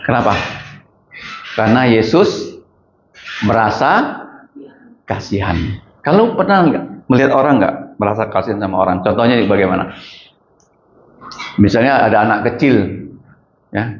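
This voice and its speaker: A man's voice: lowish voice, slight background noise. A man teaching a Bible lesson to children, questioning the class and telling the story with animation. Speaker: Sunday school teacher. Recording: roomy, dull lo-fi sound.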